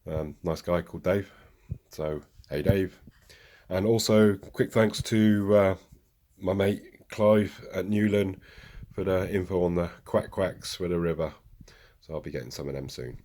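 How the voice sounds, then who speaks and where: A man's voice: low voice, fairly even intonation, a little slow, mellow. A man casually talking through progress on his model railway, chatty and joking at his own expense, recorded in a hobby room on a camera mic. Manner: chatty, self-joking, rambling asides.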